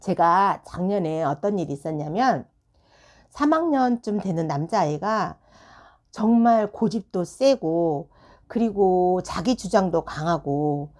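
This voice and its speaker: A woman's voice: lowish voice, measured pace. A woman who runs a tutoring room, telling a classroom story in casual advice talk and acting out the dialogue. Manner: animated, acts out classroom dialogue.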